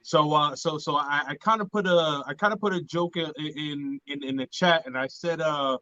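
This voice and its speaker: A man hosting a casual money talk show, speaking haltingly with many fillers and restarts. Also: fairly high pitch, pushed and bright, no echo. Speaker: podcast host. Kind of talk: casual panel chat. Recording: dull, dry lo-fi audio.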